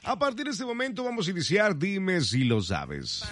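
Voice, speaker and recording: A man hosts a morning radio trivia show, chatting playfully and speaking directly to his listeners. His voice rises and falls widely as he teases the answer. Music plays clearly underneath him. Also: high-pitched, wildly swooping pitch, moderate pace. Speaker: radio host.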